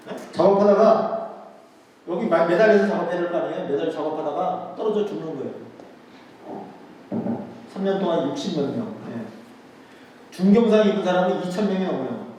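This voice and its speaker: A man's voice: sits high, darkish tone. A man giving a history lecture to an audience in a conversational way, asking rhetorical questions and repeating key words. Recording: echoey hall, voice picked up from a distance.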